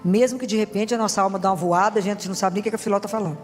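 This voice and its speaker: Woman, Brazilian Portuguese accent, conversational sermon, colloquial and teasing, medium pitch, long hall reverb, music behind. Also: fairly even intonation, rapid-fire. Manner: colloquial, teasing, rhetorical questions. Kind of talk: conversational sermon with acted-out dialogue.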